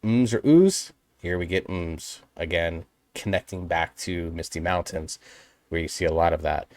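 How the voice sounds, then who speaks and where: A man's voice: low voice, moderate pace, darkish tone, dry recording. A man hosting a music reaction video, giving an earnest, appreciative, detail-minded spoken analysis in a casual way.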